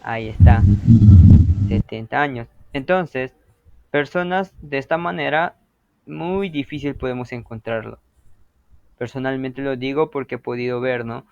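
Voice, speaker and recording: A man's voice: mid-range voice, a little slow, creaky, long pauses, no echo, dull audio. A man teaching an interactive language lesson, patiently explaining and often checking that students follow.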